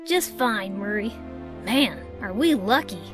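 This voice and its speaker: A woman's voice: medium pitch, animated, measured pace, over music, close to an everyday voice. A woman voicing a confident, easygoing little raccoon boy thief in a comic fan dub. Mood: cheerful. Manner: easygoing, self-assured.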